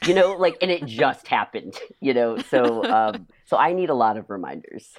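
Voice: mid-range voice, sing-song, normal speed. An American actor giving a casual interview, talking in a hesitant, filler-heavy way with youthful enthusiasm.

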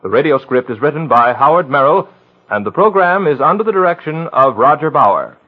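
Old-time radio announcer, American male. Formal, measured credits read, rough-edged voice, muffled vintage broadcast sound. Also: on the high side, animated. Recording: dull, muffled 1940s radio recording.

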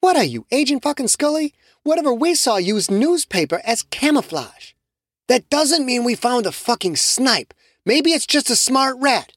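Audiobook figure: narrator putting on a blunt, swearing young woman, raised high, dry close sound. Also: sing-song, moderate pace, fairly bright tone, dry recording, heavily acted. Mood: sarcastic. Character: sharp-tongued skeptical young woman student.

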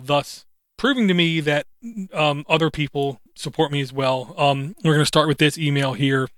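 This is a man in his thirties talking alone into a podcast mic, earnest and reflective, with fillers between his thoughts. His voice sits slightly high for a man, and a mild speech impediment shows in an occasional stutter. The sound is dry and close, with no room around it. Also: a bit bright, no echo. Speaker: podcast host. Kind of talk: solo podcast monologue.

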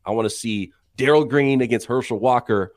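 A man co-hosting a sports podcast, chatting casually and sharing strong opinions with quick asides. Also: medium pitch, no echo. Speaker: podcast co-host.

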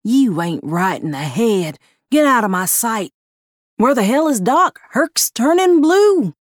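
A woman voicing a furious red-faced male circus boss, shouting in anger. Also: fairly high pitch, very animated, unhurried, no room sound, clean studio sound, pitched above the performer's own voice. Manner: shouting, spitting angry.

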